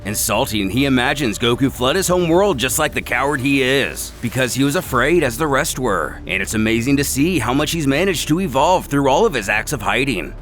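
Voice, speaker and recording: Animated male story narrator over music. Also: mid-range voice. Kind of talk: scripted dramatic story narration.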